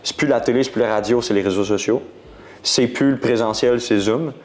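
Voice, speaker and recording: A man's voice: medium pitch, brisk, a little mellow. A young man in his twenties with a Quebec French accent, telling his story in a casual interview, rambling and slangy, dropping English words. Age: 20s. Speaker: guest entrepreneur.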